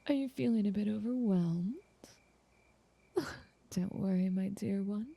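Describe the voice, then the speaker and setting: A woman playing a doting, possessive noble vampire in an ASMR roleplay, speaking softly and coaxingly in genteel words, often slipping into a whisper, close to the mic. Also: medium pitch, vocal fry, husky, dry recording. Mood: doting, indulgent. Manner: slow, soothing, coaxing, genteel wording. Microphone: close, dry microphone.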